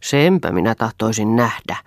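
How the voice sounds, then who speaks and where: A woman's voice: extremely low pitch, lively intonation, dry recording, clean studio sound. A woman reading the part of an irritable, dismissive husband in an audiobook. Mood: needling. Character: cold, irritable husband Eero.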